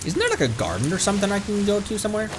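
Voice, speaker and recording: A man's voice: sits high, huge pitch swings, very fast, background noise. A man streaming a video game with casual, chatty commentary.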